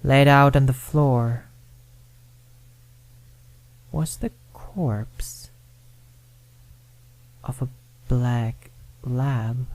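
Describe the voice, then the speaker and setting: A man's voice: mid-range voice, fairly even intonation, drawn-out words, long pauses, a little mellow, rough recording. A man narrating a first-person ghost story, dramatic and at times dropping to a whisper.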